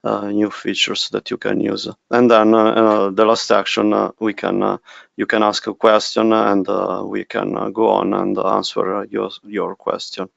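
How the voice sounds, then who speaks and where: A man with an Italian accent presenting a software webinar, speaking haltingly with many pauses. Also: on the low side, completely flat delivery, gravelly, no room sound, lo-fi sound. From Italy. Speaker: technical specialist presenter.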